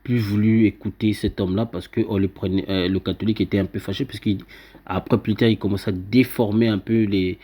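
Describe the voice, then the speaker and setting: A man explaining a writing system he invented to viewers, pointing at a screen and talking haltingly with many fillers and restarts. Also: lowish voice, steady tone, dark tone, slightly rough. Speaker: self-styled teacher presenting his invented script. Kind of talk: informal explanatory talk over a screen.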